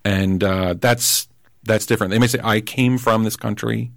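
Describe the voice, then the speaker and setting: A man with a lowish voice, thinking aloud in a relaxed political chat. He halts and restarts often as he works through ideas. The sound is dry and close, with no room around it. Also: gravelly, no room sound. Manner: thoughtful, halting, many restarts. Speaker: podcast guest. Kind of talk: casual political conversation.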